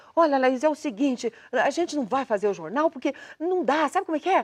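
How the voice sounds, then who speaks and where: The recording of a woman speaking has a dry, close sound with no echo. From Brazil, Curitiba. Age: 60s. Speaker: TV news presenter and singer. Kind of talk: interview.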